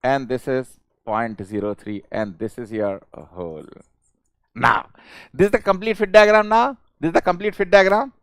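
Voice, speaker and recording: A man's voice: mid-range voice, moderate pace, fairly bright tone, clear, resonant tone, dry recording, clean studio sound. A man with a South Indian accent teaching a live online class, informal and coaxing, often repeating his questions and phrases insistently. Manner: chuckling, informal, coaxing students. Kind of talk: live interactive exam-prep lecture.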